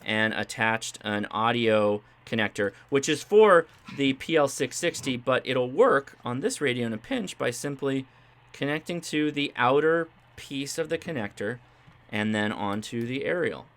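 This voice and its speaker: A man's voice: medium pitch, expressive, measured pace, a bit bright. Man, mid-range voice, livestream host, casual tutorial delivery, chatty, step-by-step explaining. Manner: informal, chatty, explanatory, checks in with "right?" and "okay?". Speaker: host of a ham radio livestream. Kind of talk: casual live demonstration and tutorial.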